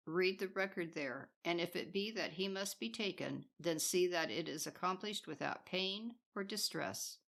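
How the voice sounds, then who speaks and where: A woman narrating a spiritual book aloud in a measured, solemn manner, reading from a script. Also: lowish voice, gravelly, fairly bright tone. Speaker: audiobook narrator.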